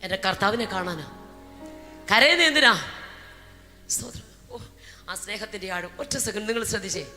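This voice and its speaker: A woman's voice: mid-range voice, expressive, normal speed, long pauses. Woman preacher in a reverberant hall. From Kerala, India. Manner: swings between shouted tongues and soft, intimate storytelling; keeps interjecting praise words between phrases. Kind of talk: Pentecostal sermon with speaking in tongues. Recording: reverberant hall with music behind.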